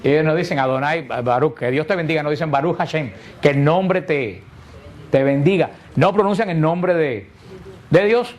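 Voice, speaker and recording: A man with a somewhat high voice leads a catechesis class. He explains patiently, often stopping to throw a question at his listeners before he answers it himself. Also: moderate pace. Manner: explanatory, asks rhetorical questions and answers them. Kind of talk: catechesis lesson to a group.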